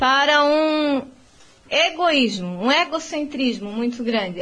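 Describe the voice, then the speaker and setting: A woman with lively intonation. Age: 30s. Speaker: history teacher and catechist. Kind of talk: casual chat; reading aloud.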